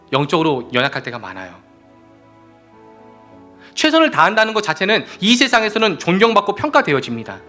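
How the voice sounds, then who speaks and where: A man preaching a sermon as pastor, animated and repeatedly appealing to his congregation. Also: on the high side. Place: church sanctuary.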